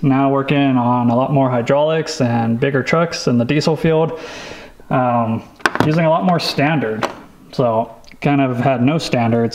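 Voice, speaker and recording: A man casually showing off tools he bought, talking in a relaxed, rambling way with lots of fillers. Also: mid-range voice, noisy background. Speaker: vlogger showing a tool haul. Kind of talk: casual show-and-tell chat.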